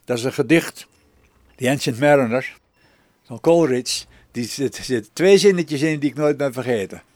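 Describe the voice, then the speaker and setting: A man who sailed alone, speaking slowly and thoughtfully with pauses in a reflective documentary interview. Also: mid-range voice, darkish tone, dry recording. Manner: slow, thoughtful, with pauses and hesitations. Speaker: solo sailor.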